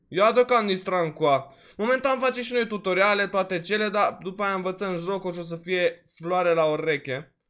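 A man's voice: sits high, fairly bright tone. A man with a Romanian accent giving casual let's-play commentary, chatty and exclamatory, his voice slightly worn. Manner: chatty, exclaims often, peppers talk with "frate" and "bă". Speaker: gaming video host.

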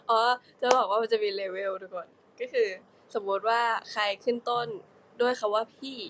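A woman's voice: medium pitch, slight background noise, poor audio. A young woman hosting a casual livestream, chatting playfully with fans and reading their comments. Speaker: idol livestream host.

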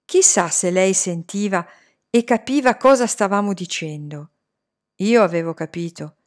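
A woman reading a children's story aloud, gentle and measured. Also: medium pitch. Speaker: reader.

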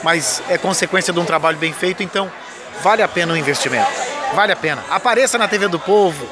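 A Brazilian radio announcer in his forties speaks in a high, upbeat voice and keeps encouraging the host. He is picked up by a phone held at arm's length at a busy fair, with clear crowd chatter behind him. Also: fast, music in the background. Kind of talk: casual on-site interview. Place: exhibition booth at a crowded fair, indoors. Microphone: phone camera at arm's length.

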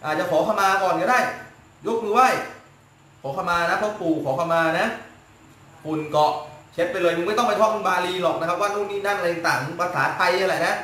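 A man's voice: high voice, fast, a bit bright. A man speaking as a spiritual teacher on a casual live stream, lecturing bluntly and crudely and often asking his listeners "right?". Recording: very echoey room with faint noise.

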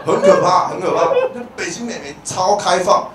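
A man in his thirties with a Taiwanese Mandarin accent doing a stand-up comedy set on a club stage, animated and given to loud shouted bits. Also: high-pitched, moderate pace. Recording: echoey club sound from a distance, audience noise.

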